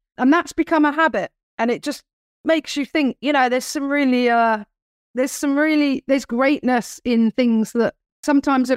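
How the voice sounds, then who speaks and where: A woman with an English accent speaks at a fairly quick pace with ordinary pitch variation. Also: dry, close sound with no echo, very clean recording, silent background. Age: 40s. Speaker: adventurer and charity founder. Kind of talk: interview.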